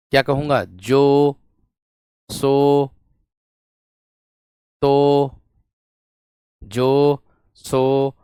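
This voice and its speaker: A man's voice: medium pitch, smooth, no room sound. A male teacher with a North Indian Hindi accent giving an exam-prep grammar lesson, repeating each point and checking whether students have understood. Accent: Hindi-speaking North Indian. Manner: calls students friend and brave one.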